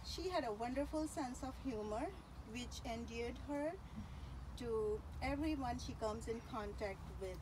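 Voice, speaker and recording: A high-pitched woman's voice gives a eulogy over clearly audible background noise. Her delivery is faltering and tender, moving in short, careful phrases. She speaks with reverence, as a daughter remembering a parent. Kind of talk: personal eulogy speech.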